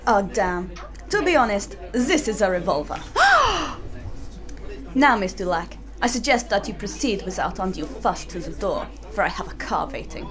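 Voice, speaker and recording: A woman's voice: mid-range voice, expressive, moderate pace, natural voice. A woman playing a haughty, menacing female spy, in an audio drama. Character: scheming female German spy posing as journalist.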